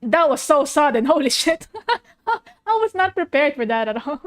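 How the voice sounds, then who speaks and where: A woman's voice: sits high, big pitch swings, a little slow. A woman VTuber giving casual, exclamatory reaction commentary with informal swearing, recorded close in a dry room. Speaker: VTuber host.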